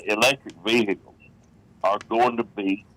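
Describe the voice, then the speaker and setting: Halting Southern man calling in by phone. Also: on the low side, fairly even intonation, fairly bright tone, poor audio. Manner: halting, many fillers and restarts. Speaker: caller. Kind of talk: phone call to a radio show.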